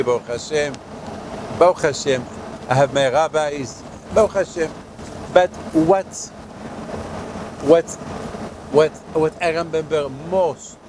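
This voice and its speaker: An older man from Morocco, a rabbi giving a sermon outdoors in a halting way, with many fillers and restarts. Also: on the high side, noisy background. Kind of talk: sermon at a holy site.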